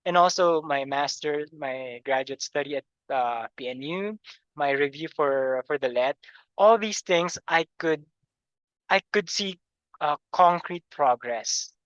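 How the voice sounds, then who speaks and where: A man's voice: on the high side, a bit bright, clean tone, dry recording. Guest: man, hesitant delivery with fillers, dry and slightly muffled line. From Philippines. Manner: halting, with many pauses and fillers. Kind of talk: interview.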